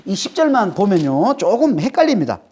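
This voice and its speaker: A male pastor from Korea working through a scripture passage with emphatic, animated delivery. His pitch swings widely as he stresses each point. He keeps asking the congregation short questions to hold their attention. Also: a little fast. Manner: animated, rises sharply when dramatizing. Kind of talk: expository sermon.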